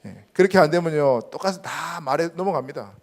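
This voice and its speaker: A man's voice: a little high, a little fast. A man pastor preaching a Sunday sermon, asking the congregation rhetorical questions and stressing points with emphasis. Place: church sanctuary.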